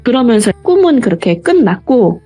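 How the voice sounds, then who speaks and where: A woman's voice: on the high side, big pitch swings, moderate pace, warm tone, husky, soft background music. A woman guest in an interview, retelling a personal story earnestly and vividly.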